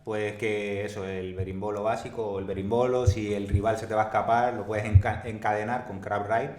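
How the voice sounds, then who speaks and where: A man with an accent from Spain hosting a podcast interview on a video call, relaxed and quick to agree. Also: on the low side, reverberant. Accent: Spanish (Spain). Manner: relaxed, agreeing with many short backchannels. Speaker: podcast host. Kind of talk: casual interview chat.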